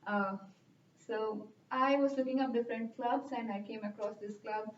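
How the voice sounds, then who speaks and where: A woman in her thirties from India with an Indian accent, earnestly answering interview questions at a careful, steady pace. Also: fairly high pitch, moderate pace, a little hiss or hum. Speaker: club member interviewee. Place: club meeting room. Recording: roomy, distant, dull sound.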